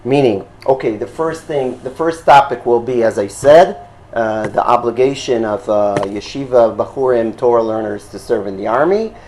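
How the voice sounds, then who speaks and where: A man's voice: mid-range voice, darkish tone, a little hiss or hum. A man from Israel, a native Hebrew speaker, teaching a class in English with an Israeli accent. He explains at length and often stops on fillers and checks with his listeners. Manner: halting, with frequent fillers and checks for understanding. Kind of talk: explanatory lecture.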